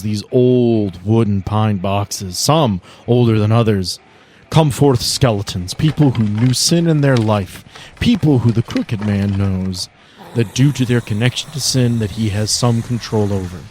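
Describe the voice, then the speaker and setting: A man's voice: lowish voice, unhurried, a little mellow, a little hiss or hum. A man acting as game master, narrating scenes and rulings in a tabletop roleplaying game. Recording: background music under the voice.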